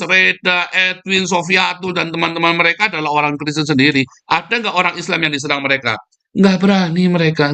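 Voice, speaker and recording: Fiery, scornful preaching man. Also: fairly bright tone. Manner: combative, scornful, keeps addressing listeners as "saudara"; emphatic, pitch leaps up when denouncing. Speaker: pastor. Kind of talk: livestreamed sermon.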